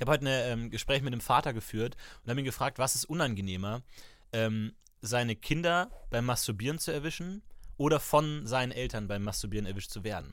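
An ordinary speaking voice from a man at a medium pitch, fairly quick, with ordinary pitch variation, in a very clean recording with a silent background. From Munich, Bavaria. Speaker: podcast co-host. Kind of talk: casual chat.

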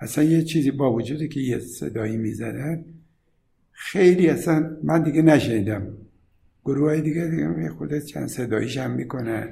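Audible room echo surrounds a man whose medium-pitched voice carries vocal fry, a dark, mellow tone and lively intonation. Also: moderate pace. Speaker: composer. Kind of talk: interview, reminiscing.

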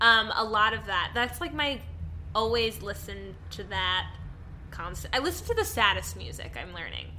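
A woman speaks at a moderate pace with big swings in loudness, and audible room echo surrounds her. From New York City, Staten Island. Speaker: writer and web series creator. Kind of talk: casual chat.

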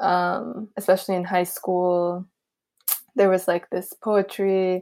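A woman with a Chicago accent speaks very slowly at a medium pitch in a dark, mellow tone with monotone, flat intonation. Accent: American, Chicago. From US Midwest, Chicago. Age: 20s. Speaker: beauty writer. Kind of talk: interview.

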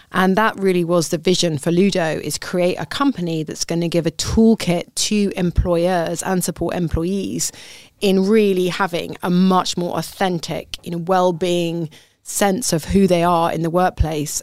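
A normal speaking voice from a woman, fairly low in pitch, at a fairly slow pace with fairly even intonation. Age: 40s. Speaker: business founder. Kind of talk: interview.

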